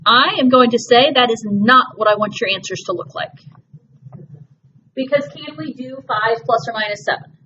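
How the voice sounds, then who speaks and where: A woman's voice: fairly high pitch, moderate pace, bright, forceful tone. A woman math teacher working through a problem step by step, patient and reassuring with her class. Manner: patient, reassuring, walks through steps aloud. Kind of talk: classroom lesson. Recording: dull lo-fi classroom recording with faint hiss.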